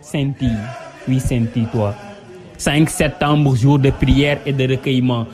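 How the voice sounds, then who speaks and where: A man's voice: mid-range voice, steady tone, a little slow, darkish tone. A man reciting a devotional poem in a solemn, emphatic, rhythmic and exalted declamation. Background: music under the voice.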